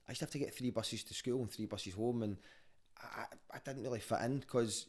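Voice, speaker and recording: Glasgow guy, proper street scottish accent, sweary honest chat, normal mid pitched voice. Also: steady tone, fairly quick, vocal fry. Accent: Glaswegian street Scottish. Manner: candid, sweary, conversational. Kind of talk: casual podcast chat and storytelling.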